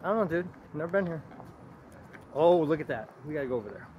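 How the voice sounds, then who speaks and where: A man's voice: fairly high pitch, fast talker, lo-fi sound, a little hiss or hum. A man in his forties chatting casually as he walks outdoors with his son, filming on a camera held at arm's length, asking questions and wondering aloud. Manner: relaxed, wondering aloud, asks many questions. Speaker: father filming a walking tour. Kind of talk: casual chat while walking. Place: outdoors on a sunny city plaza with metal walls and gardens. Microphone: 360 camera on a stick at arm's length.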